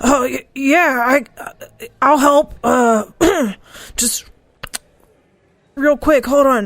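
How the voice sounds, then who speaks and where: Putting on a character voice, a woman speaks in a high-pitched, raspy tone at a very slow pace, with long, frequent pauses. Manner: apologetic.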